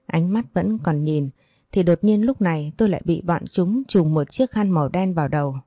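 A woman narrating a dramatic first-person story in a steady, earnest reading voice. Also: lowish voice, moderate pace, no room sound, studio quality.

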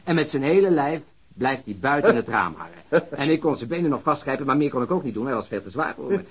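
A man's voice: mid-range voice, big pitch swings, fast talker, slightly rough. An actor playing a talkative, colloquial policeman telling an exasperated anecdote in a radio drama. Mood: exasperated, excited. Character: chatty, food-loving policeman recounting a botched raid. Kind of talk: Dutch radio drama acting, conversational storytelling.

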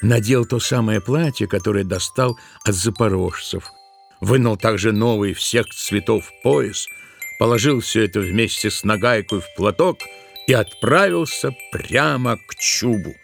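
A man narrating a literary tale for an audio play, expressively, with drawn-out emphatic words. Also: on the low side, vocal fry.

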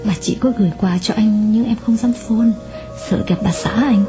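A man reading aloud voices a grieving woman at her old lover's sickbed, speaking softly with a choked, pleading tone. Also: sits high, moderate pace, music in the background, voice pushed up, close to an everyday voice. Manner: soft, choked, pleading, at times whispered. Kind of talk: audiobook reading.

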